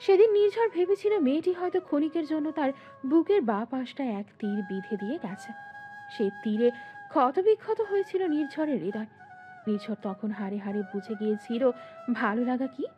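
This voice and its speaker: A woman narrating a scripted romantic story in an expressive storytelling manner. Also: high-pitched, a little fast, dull audio. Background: background music.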